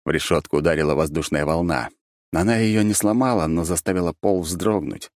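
A man narrating a first-person fantasy audiobook in an expressive, wry manner. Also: low-pitched, a little fast, no room sound, clean studio sound.

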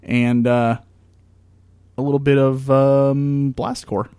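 A man's voice: mid-range voice, little pitch movement, takes it slowly, dark tone, clear, resonant tone, dry recording. A man with a New Jersey accent hosting a gaming podcast, bantering, teasing and laughing with his co-hosts. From US East Coast. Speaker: podcast host. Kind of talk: casual chat.

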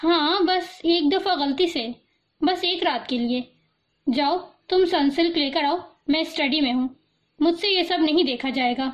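A woman's voice: high-pitched, lightly acted. A woman reading the part of a troubled young man who pleads anxiously for help in an audiobook. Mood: pleading. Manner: pleading, worried.

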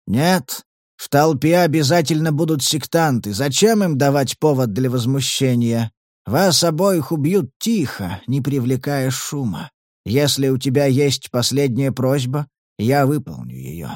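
Guy putting on a cold old church patriarch, slow and low, dry close sound. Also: very animated, a little mellow, no room sound. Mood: coolly decisive. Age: older. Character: stern calculating old male patriarch. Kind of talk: audiobook character reading.

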